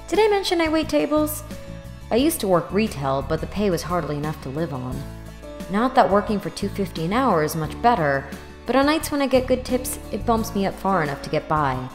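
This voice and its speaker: A woman's voice: fairly low pitch, in a large hall. A woman playing a weary, sarcastic young student and waitress, narrating her life in a dry, reluctant way in an audio drama. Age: young adult. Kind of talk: first-person audio drama narration and dialogue.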